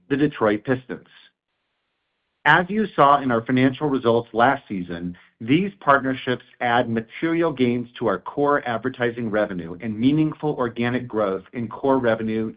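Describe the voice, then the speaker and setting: A man working as a chief executive delivers scripted remarks on an earnings call. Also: mid-range voice. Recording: tinny phone-line conference call.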